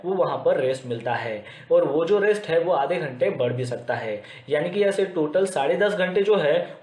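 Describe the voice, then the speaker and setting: A man's voice: fairly high pitch, a little mellow. A man with an Indian accent giving a methodical, explanatory lecture. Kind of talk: explanatory lecture mixing Hindi and English terms. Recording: roomy, echoing voice recording.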